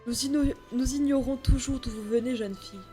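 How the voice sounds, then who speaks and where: A woman voicing a formal older village man who questions a stranger in a measured way. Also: high voice, fairly even intonation, warm tone, faint music behind, natural voice. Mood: questioning.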